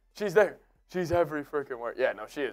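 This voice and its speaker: A man talks at a fairly quick pace with ordinary pitch variation. Faint music plays in the background. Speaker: sports streamer. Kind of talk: live commentary. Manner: casual. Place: home room.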